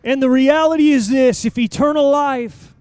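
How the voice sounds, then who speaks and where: A pastor preaching a sermon in a church, with emphatic delivery and dramatic pauses. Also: male voice, extremely high pitch, a little mellow, no room sound, soft background music. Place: church sanctuary.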